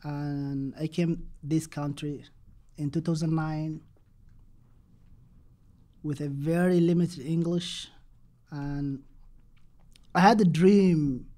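A young man from Somalia giving a panel talk in second-language English. He speaks very slowly with pauses and restarts. His voice sits fairly high but sounds soft and dark. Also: steady tone. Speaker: panel presenter. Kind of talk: panel presentation.

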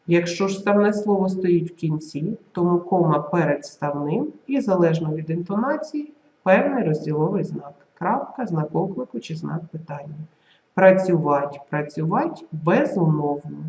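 A language teacher narrating a scripted video lesson, reading word lists slowly and clearly with marked intonation. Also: medium pitch, darkish tone. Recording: echoey room, dull lo-fi recording.

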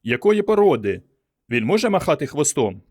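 A man voicing a pushy newspaper reporter who fires off rapid questions. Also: fairly high pitch, big pitch swings, a little mellow, slightly rough, pitched above the performer's own voice.

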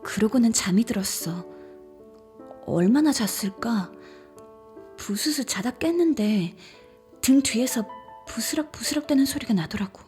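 Scared young woman narrating a ghost story, highish voice, hushed bits, audio drama w music behind. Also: lively intonation, unhurried, long pauses. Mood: hushed, uneasy. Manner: conversational, suspenseful, drops toward hushed whispers. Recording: background music under the voice.

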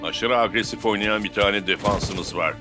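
A man voicing a calm football coach in a dubbed cartoon, measured and instructive. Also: lowish voice, over music, close to an everyday voice.

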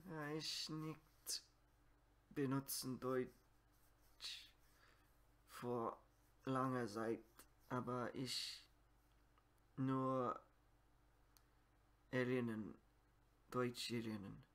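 A man talks in halting, broken at a crawling pace. He keeps stopping to search for the next word and restarts his sentences. His voice sits at an ordinary middle pitch. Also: steady tone, fairly bright tone. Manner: hesitant, searching for words, broken grammar. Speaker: language learner vlogger. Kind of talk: halting self-recorded practice talk.

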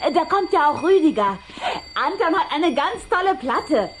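A haughty little vampire girl, speaks very high in an affected way. She is vain and coquettish, as in a children's radio play, with faint music around her. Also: big pitch swings, normal speed. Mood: coy. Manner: affected, theatrical, snooty. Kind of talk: German children's audio drama acting.

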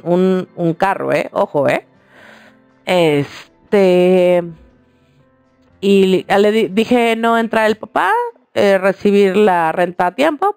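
A woman's voice: lowish voice, creaky, darkish tone, smooth, no echo. A woman with a Mexican accent, hosting a radio show and chatting casually, telling a long personal story straight to her listeners. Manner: chatty, colloquial, addresses listeners directly.

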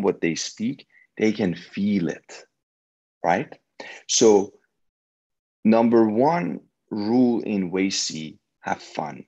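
A man whose first language is Farsi, giving an energetic, motivational talk to students as a guest speaker on a video call. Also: lowish voice, slightly rough, lo-fi sound. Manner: energetic and motivational, with frequent restarts.

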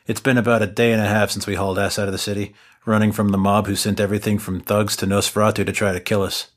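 A man's voice: on the low side, little pitch movement, quick pace. Young guy narrating his tabletop character, dry and kinda fed up. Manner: dry, exasperated. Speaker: player narrating as main character. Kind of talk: tabletop game narration and play.

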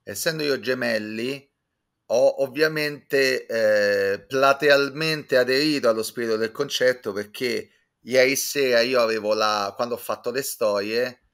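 A man's voice: mid-range voice, measured pace, fairly bright tone. A man, giving discursive, learned, self-ironic commentary as a guest on a video call. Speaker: guest reviewer, culture commentator. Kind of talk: conversational critical commentary. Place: indoors, small room with bookshelves. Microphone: video call, close to webcam.

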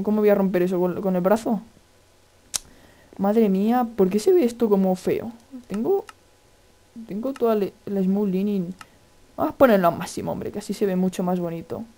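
A man with a Spain Spanish accent giving casual, excitable gameplay commentary, chatty and full of exclamations. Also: high-pitched. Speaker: gaming video host.

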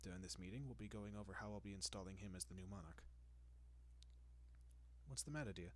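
A centuries-old vampire, acted by a man, speaks in a fairly low, husky voice. He is refined and courteous, coaxing softly with lingering pauses. The tone is doting and possessive, in the style of intimate roleplay audio. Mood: composed, confiding.

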